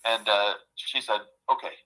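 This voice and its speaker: A man of about fifty with a bright, forceful voice who talks in a heartfelt, halting way, doubling back on his words. He shares a personal story over what sounds like a phone-line call. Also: fairly low pitch, steady tone. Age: 50s. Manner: heartfelt, halting, repeats himself. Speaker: guest.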